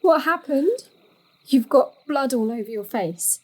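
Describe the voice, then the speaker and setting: Anxious daughter in a stage drama: high voice, unhurried, childlike, uncertain. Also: female voice, lively intonation, poor audio. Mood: anxious, confused.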